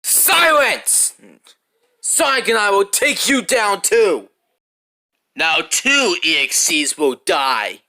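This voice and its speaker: An actor playing a defiant, determined young hedgehog hero with an earnest, declamatory delivery in fan cartoon cutscenes. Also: male voice, high-pitched, very animated, takes it slowly, bright, forceful tone, heavily acted.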